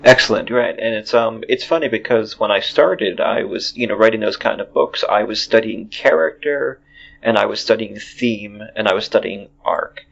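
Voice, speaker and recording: A man in his forties hosts a podcast, chatting casually in a rambling way and often restarting his sentences. He speaks at a moderate pace in a gravelly voice on the low side. The audio is dull and lo-fi.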